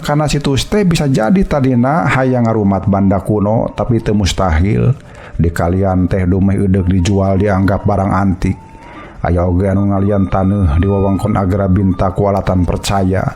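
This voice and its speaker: Low-voiced Sundanese male storyteller. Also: darkish tone. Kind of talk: narrating a Sundanese folk tale to listeners.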